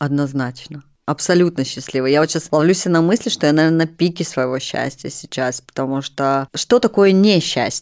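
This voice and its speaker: A woman's very deep, low voice with lively intonation at a moderate pace, dry and close with no echo on a very clean recording with a silent background. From Kyrgyzstan (Bishkek). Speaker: interior design entrepreneur. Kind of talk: casual interview.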